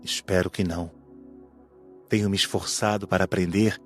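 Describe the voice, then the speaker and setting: A man playing a repentant male spirit in an audiobook, speaking husky, earnest and sober about his past. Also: low-pitched, steady tone, moderate pace, faint music behind, lightly acted. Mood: earnest, hopeful. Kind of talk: dramatized audiobook character reading.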